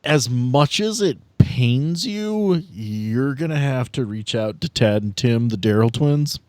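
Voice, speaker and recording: A man's voice: medium pitch, expressive, slow pace, a little mellow, no echo. A man running a tabletop game, narrating off the cuff and bantering casually with the players. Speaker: game master.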